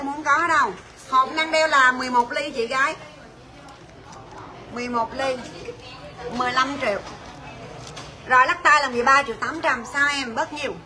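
A woman selling jewelry on a livestream, calling out prices in rapid, coaxing sales patter. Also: sits high. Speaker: jewelry shop livestream seller.

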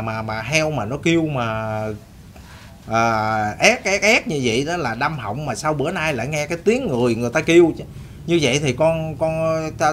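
This is a man hosting a storytelling session, chatting to his listeners in a folksy, wandering way full of repeats and restarts. His accent is Southern Vietnamese, his pitch medium and his tone fairly bright. A little hiss or hum sits under the audio.

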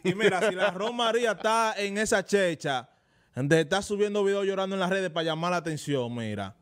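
Dominican man, talk-show co-host, indignant and scolding, voice sits a bit high, repeats and stumbles while ranting. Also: animated, fairly quick, a bit bright. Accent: Dominican Spanish. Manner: indignant, scolding, tells anecdotes with animal yelps. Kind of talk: opinionated studio debate.

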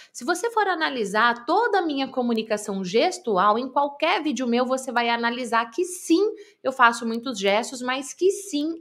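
Brazilian woman coaching public speaking to camera, a bit high voice, emphatic, keeps repeating the main points. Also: fairly bright tone. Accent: Brazilian Portuguese. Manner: emphatic, deliberate, repeats key phrases. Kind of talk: presenter-style teaching to camera. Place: indoors, filmed talking to camera.

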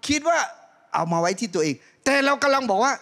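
Gripping a handheld mic on a church stage, a middle-aged male pastor delivers an animated sermon at a fast clip in a gravelly voice. His delivery alternates between loud rising calls and quiet, low asides.

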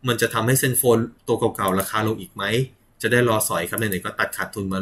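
Lower-voiced man hosting casual tech news. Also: fairly even intonation, a bit bright. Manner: reads news items with filler particles and quick laughs. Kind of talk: casual tech news show reading comments.

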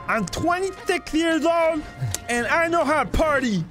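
A man's voice: extremely high pitch, lively intonation, measured pace, a bit bright, faint music behind, full character voice. A man voicing a goofy male nightmare monster from a video game, drawling in a silly, mock-friendly way.

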